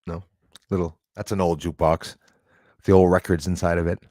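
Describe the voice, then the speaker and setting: A man's voice: low-pitched, flat delivery, brisk, darkish tone, no room sound, clean studio sound. A man in his sixties hosting a casual live stream, chatting in a rambling way and thanking viewers by name. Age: 60s.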